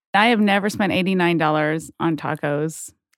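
A woman speaks in an unremarkable speaking voice, at a fairly low pitch with ordinary pitch variation. Her pace is moderate, and the sound is dry and close with no echo. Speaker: office manager. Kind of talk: casual chat.

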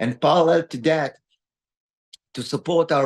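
A man speaks with an Israeli accent against a quiet background. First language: Hebrew. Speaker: retired army general. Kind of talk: military briefing.

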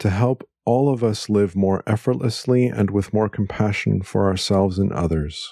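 A man with a fairly low pitch, an ordinary speaking voice, very even loudness, moderate pace and ordinary pitch variation. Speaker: podcast host. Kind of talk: reading aloud from written course, with chatty intro.

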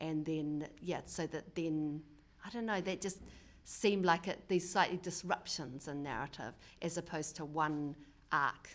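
A woman's very deep, low voice with a New Zealand accent, at a fairly slow pace with ordinary pitch variation. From New Zealand, Wellington. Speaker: writer. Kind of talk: interview conversation. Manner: hesitant, many ums.

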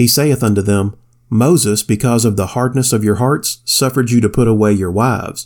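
The speech moves at a fairly quick pace in a slight Southern US accent. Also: man. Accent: mild Southern US. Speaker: podcast host. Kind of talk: scripted-style daily Bible reading show with jokes. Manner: humorous, jokey.

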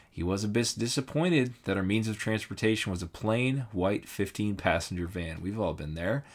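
A man's normal speaking voice, fairly low in pitch, with ordinary pitch variation, a moderate pace and hardly any pauses, on a very clean recording with a silent background. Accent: American. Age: 40s. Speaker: podcast co-host. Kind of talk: casual podcast chat.

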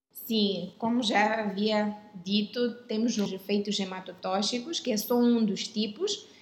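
A plain, everyday voice at a fairly slow pace, its loudness very even. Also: woman, fairly high pitch for a woman, fairly even intonation. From Mozambique. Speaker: physician. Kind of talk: medical interview.

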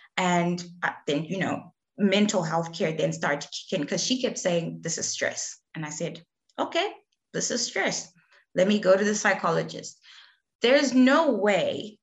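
Somewhat breathy female voice, lively in intonation, fairly slow, with long, frequent pauses. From Zimbabwe. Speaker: environmental scientist. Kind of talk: casual chat. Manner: animated.

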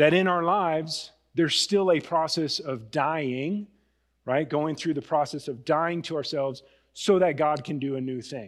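Fairly high in pitch, a man with an American accent talks at a moderate pace with ordinary pitch variation. The recording is very clean, its background silent. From Oregon, near Portland. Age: 40s. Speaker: pastor. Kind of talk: sermon. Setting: church. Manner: halting.

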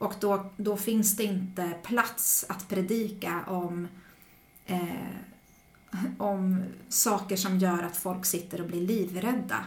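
A woman at a medium pitch talks very slowly in a flat monotone, with audible echo in the room. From Sweden, childhood in Liberia. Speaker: pastor. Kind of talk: casual chat. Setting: home kitchen.

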